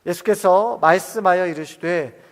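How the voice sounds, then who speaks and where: A male pastor preaching a Sunday sermon from the pulpit, asking the congregation questions and swinging between soft and loud. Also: high-pitched, moderate pace. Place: church sanctuary. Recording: long reverb of a church hall.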